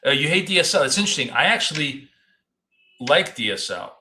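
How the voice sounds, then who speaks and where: A man running a live trading stream from his apartment office. He chats loosely and doubles up words, and his voice is going hoarse. His tone is bright and forceful, and the room gives it a noticeable echo. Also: on the high side, sing-song, fairly quick. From United States. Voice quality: talkative, repeats himself, loose and chatty. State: losing his voice, coughing. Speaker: trading show host. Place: home office in a city apartment.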